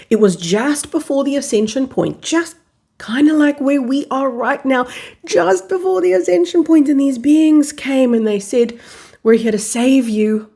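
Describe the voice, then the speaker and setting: Woman spiritual teacher, warm dark tone, earnest off-the-cuff talk with slowed, weighted key lines. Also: medium pitch. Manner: earnest, emphatic, slows down on key phrases. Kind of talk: unscripted spiritual talk to camera.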